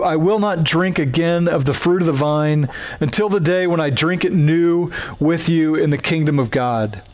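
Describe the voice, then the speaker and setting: A middle-aged pastor with a twangy Oklahoma accent preaches in a fairly high voice for a man. He teaches earnestly and steadily, stacking up scripture references as he goes. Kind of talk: sermon.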